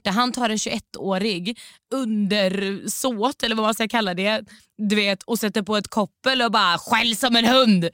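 A young woman in her twenties, podcast co-host, telling a story in casual chat with lively delivery and bits of English slang. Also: mid-range voice, no room sound, studio quality.

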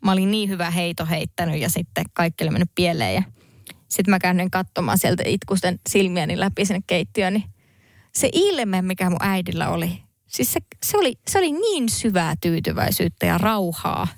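A woman's voice: on the low side, no echo, studio quality. Self-mocking woman telling a story. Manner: animated, self-mocking anecdote. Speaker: panelist. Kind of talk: casual storytelling.

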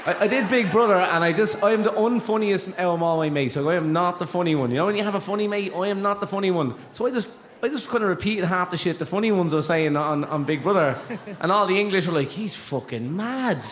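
Slightly high-voiced, self-deprecating Irish man. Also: fast talker, a faint crowd. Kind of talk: casual, sweary chat on stage.

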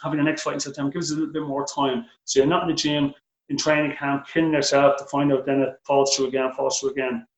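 A middle-aged man with an Irish accent, a boxing coach answering interview questions, animated and restarting his sentences often. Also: mid-range voice, fast, roomy sound, low-quality recording. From Ireland. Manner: animated, repeats words when starting sentences.

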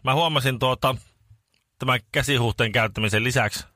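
A male radio morning show host telling a rambling, animated anecdote in casual chat, with many restarts. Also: medium pitch, no echo, clean studio sound.

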